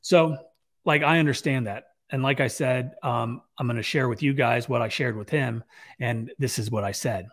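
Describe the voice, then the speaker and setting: Seated at a large boom-arm podcast mic in a shelved home office indoors, a business owner vlogger shares talking-head stories. He has a raspy, mid-range voice at a moderate pace, chatting conversationally, restarting often, using lots of fillers and gesturing while he talks.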